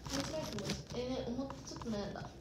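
A woman's voice: high-pitched, very fast. A woman, chatting casually on an idol livestream and reading out viewer comments. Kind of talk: casual chat. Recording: echoey room with noticeable noise.

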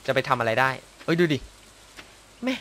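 A man's voice: medium pitch, sing-song, moderate pace, a bit bright. A young man commentating casually as he plays a video game, exclaiming, muttering to himself and making little sound effects. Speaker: gameplay commentator. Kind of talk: casual let's-play commentary.

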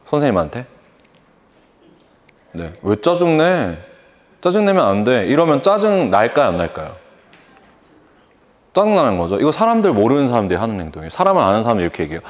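A man in his forties lectures a large audience in a big hall, his voice ringing with long reverb. His pitch rises and falls in lively swings as he acts out customer and staff dialogue and keeps asking the hall questions. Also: fast, long pauses. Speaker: hair salon owner and lecturer. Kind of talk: public lecture to a live audience.

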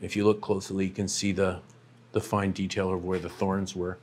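Homem de voz grave em tour pela loja. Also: male voice, low-pitched, brisk, slight background noise. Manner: relaxed, many "um" fillers, pointing at products as he walks. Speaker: shop owner giving a tour. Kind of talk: casual walking tour. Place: large aquarium shop showroom and warehouse, indoors.

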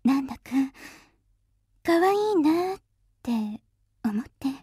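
A woman voicing a kind, friendly teenage girl in a drama, gentle, caring and lightly teasing. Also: high-pitched, animated, takes it slowly, dry recording, clean studio sound, pitched below the performer's own voice. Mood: kind, amused.

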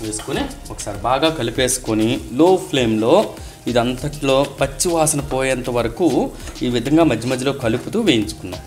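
Speaking straight to his audience, a cooking-channel host explains a recipe one step at a time. His voice sits at medium pitch and moves briskly over soft background music.

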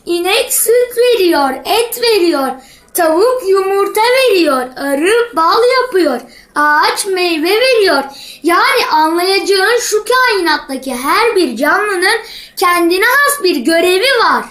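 A cheeky little schoolboy from a comic cartoon. The voice is extremely high and childlike. He sounds confident and witty, lecturing like a pious know-it-all with an answer for everything. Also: lively intonation, takes it slowly, a bit bright, exaggerated voice. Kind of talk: scripted comic cartoon dialogue.

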